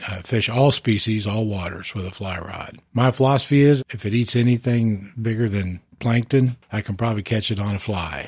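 This man's voice is fairly low in pitch and somewhat breathy. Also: ordinary pitch variation, moderate pace. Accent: American. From Missouri Ozarks. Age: 60s. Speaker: retired conservation worker and fly fishing instructor. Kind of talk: casual interview. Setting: on location at a state park.

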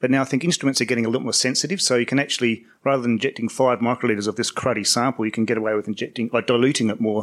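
Speaking with an Australian accent, a man talks at a very fast pace. His voice sits at a medium pitch with ordinary pitch variation. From Australia, Adelaide. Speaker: forensic toxicologist co-hosting conference podcast. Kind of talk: casual chat.

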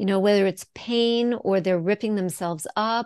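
A woman's medium-pitched voice with an American accent and ordinary pitch variation, dry and close with no echo, over a quiet background. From New York. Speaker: pet and human health coach. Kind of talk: interview.

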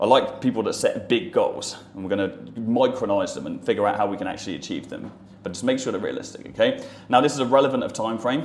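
A man talking very fast, with big swings in loudness, noticeable background noise and audible room echo. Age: 20s. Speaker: business coach and online entrepreneur. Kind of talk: motivational tutorial. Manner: animated.

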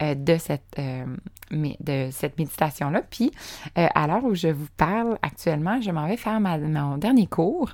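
A woman speaks in a Quebec accent with lively intonation. Her pitch is fairly low and her pace fairly slow. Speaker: nutrition coach and podcast host. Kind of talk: casual solo monologue. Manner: hesitant, many fillers.

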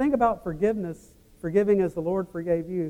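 A man with a Georgia accent speaks fairly quickly in a high, dark, mellow voice. His pitch varies in an ordinary way. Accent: Southern (Georgia). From US South, rural Georgia. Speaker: preacher. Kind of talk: sermon. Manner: conversational.

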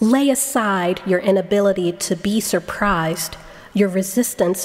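Noticeable background noise accompanies a woman speaking at a fairly slow pace. Her pitch is medium with ordinary variation. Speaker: poetry reader. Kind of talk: poetry reading, solemn and devotional. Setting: church worship service. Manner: measured, slow and reverent.

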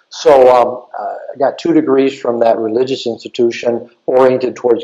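Fairly even intonation and a dark, mellow tone in a Pacific Northwest accent. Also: man. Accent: General American (Pacific Northwest). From US Pacific Northwest, Seattle area. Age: 60s. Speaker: author and therapist. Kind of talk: interview. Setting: video call.

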